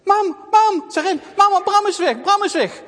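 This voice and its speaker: Man doing a little girl, high and breathless, pleading, lively swings, long reverb. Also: fairly quick. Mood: panicked. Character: anxious brave little girl.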